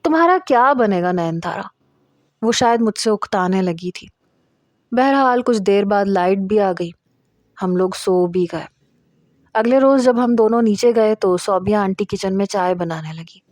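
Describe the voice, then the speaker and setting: A woman's voice: mid-range voice, darkish tone, dry recording, studio quality. A woman narrating a suspenseful first-person story in a tense telling.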